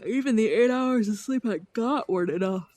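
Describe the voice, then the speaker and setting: A woman's voice: fairly high pitch, normal speed, a little mellow, close to an everyday voice. An actress playing a tired officer who sounds weary and sighs as she talks. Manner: weary, sighing. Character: tired female police officer caring for her mother.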